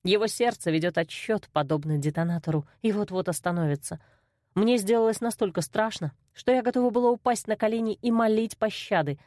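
A woman's voice: mid-range voice, fairly quick, darkish tone, dry recording, studio quality. A woman reading a first-person novel aloud with emotional expression. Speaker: audiobook narrator. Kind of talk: first-person audiobook narration.

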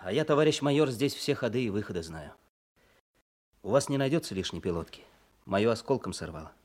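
An actor playing an eager, indignant army political officer in a war radio drama, with a husky voice. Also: male voice, fairly low pitch, expressive, brisk. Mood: brisk, eager.

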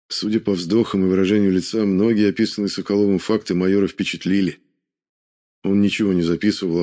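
Deep-voiced male audiobook narrator. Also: warm tone.

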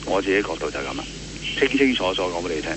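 Cantonese guy in a clip, insistent, low-ish and quick, loud background noise. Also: expressive. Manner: firm and insistent. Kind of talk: recorded clip played on radio.

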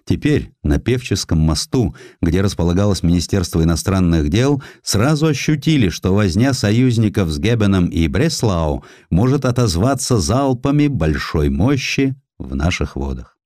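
A man narrating a historical account from a script in an expressive, theatrical storytelling manner, as an audiobook reader. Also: deep voice, normal speed, hardly any pauses, no room sound, clean studio sound.

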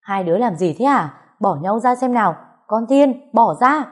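A woman's voice: medium pitch, animated, normal speed, lightly acted. A woman doing a fierce scolding mother-in-law. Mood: commanding. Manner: scolding, loud, lamenting.

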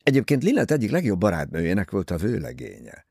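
A man voicing a teasing, easygoing young English gentleman talking with his mother in an audiobook. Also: fairly low pitch, wildly swooping pitch, gravelly, breathy edge, no echo, clean studio sound, full character voice. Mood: wry teasing. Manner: wry, teasing.

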